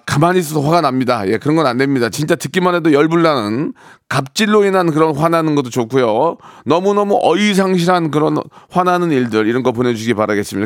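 Male radio DJ, high and animated, hamming up mock anger; dry studio sound with faint music bed. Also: no room sound. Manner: playful, mock-angry outbursts reading listener stories. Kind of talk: live radio show hosting.

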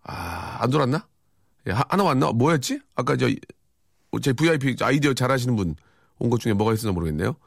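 Lively chatty male radio host. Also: mid-range voice, quick pace, creaky, no room sound, studio quality. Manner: lively, chatty, reads messages aloud with wry reactions. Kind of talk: casual on-air chat reading listener messages.

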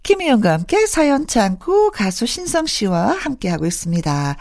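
A woman's voice: fairly high pitch, big pitch swings, moderate pace, darkish tone. A woman hosting a radio show, chatting casually and laughing often. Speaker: radio host.

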